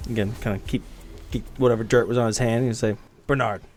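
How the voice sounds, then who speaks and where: A man's voice: medium pitch, fairly even intonation, quick pace, a little mellow. A man playing a tabletop game, casually improvising descriptions of what his character does. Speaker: player on a tabletop game podcast.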